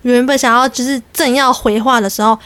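Young woman podcaster ranting thru a story, high voice, dry close mic. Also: brisk, dry recording. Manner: animated, exasperated, quotes people. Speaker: podcast host. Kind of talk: casual storytelling.

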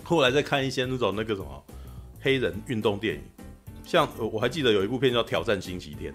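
A man's voice: lowish voice, fast talker, soft background music. A man, chatting as a podcast co-host and telling stories animatedly. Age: 40s. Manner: animated storyteller, keeps asking "you know?". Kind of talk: casual chat.

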